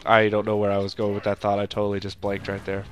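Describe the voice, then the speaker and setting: A young man with a stuffy nose from a cold, rambling through casual let's-play commentary and shouting at the game now and then. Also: on the low side, monotone, a little fast, faint music behind. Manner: rambling, makes sound effects and shouts at the game.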